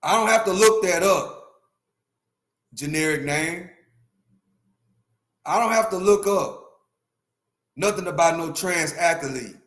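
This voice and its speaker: A slightly high, fairly bright male voice comes through with reverb, moving at a slow pace broken by frequent pauses. He's a livestream host in his fifties, emphatically ranting his opinions, restating points, and speaking to his chat.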